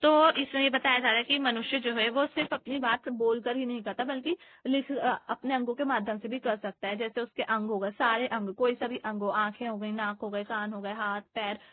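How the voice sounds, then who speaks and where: A fairly high-voiced woman explaining textbook material for an exam, step by step, with frequent "uh" fillers and restarts. The sound is thin and tinny, like a phone line. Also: steady tone, a little fast, no echo. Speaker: teacher.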